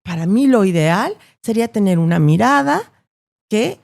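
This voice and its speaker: Latin American woman with a creaky voice. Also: mid-range voice, lively intonation, moderate pace, darkish tone. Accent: Latin American Spanish. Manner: articulate, emphatic, builds points with repetition and rhetorical tags. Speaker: interview guest, journalist. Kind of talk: conversational interview, explaining opinions.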